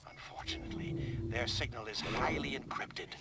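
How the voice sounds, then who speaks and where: A man's voice: medium pitch, moderate pace, in a whisper, natural voice. A man playing a precise, reserved inventor in a video game, with a wordy, formal and exact manner. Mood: measured, analytical. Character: pedantic male inventor scientist, precise and reserved. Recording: clear background noise.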